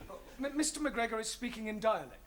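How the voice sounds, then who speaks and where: A man's voice: sits high, expressive, fast talker. An actor playing a patient but bewildered English teacher in an old classroom sitcom, exasperated with his students. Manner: exasperated, trying to stay patient. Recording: noisy old TV sitcom audio.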